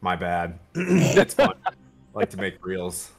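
A relaxed, self-deprecating man chatting as a guest on a game stream. His voice sits low, and he speaks through a headset. Faint music plays behind him. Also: slow pace, vocal fry. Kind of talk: casual chat.

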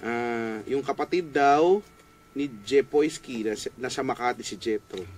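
A man's voice: mid-range voice, a little slow, a little hiss or hum. A man with a Filipino accent working as a radio DJ, bantering and greeting listeners in a giggly, playful way. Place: small radio studio. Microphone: studio boom mic with headphones.

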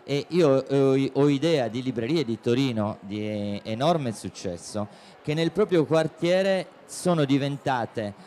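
A man's voice: mid-range voice, expressive, slow pace, darkish tone, slight background noise. A man interviewing a guest at a book fair stand, asking long, chatty questions into a handheld mic.

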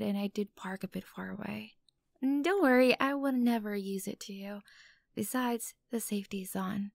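A woman's voice: mid-range voice, darkish tone, no room sound. A woman playing an obsessive, unstable young stalker girlfriend in an intimate ASMR roleplay, sweet and menacing by turns. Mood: nervous coaxing. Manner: breathy whispers, halting, swinging from coaxing to outbursts. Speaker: voice actor in audio roleplay.

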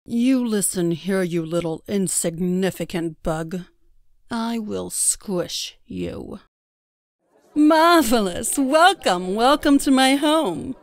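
A woman's voice: mid-range voice, sing-song, slow pace, no room sound, studio quality. A woman voicing a haughty, menacing villainess, theatrical and condescending. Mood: grand.

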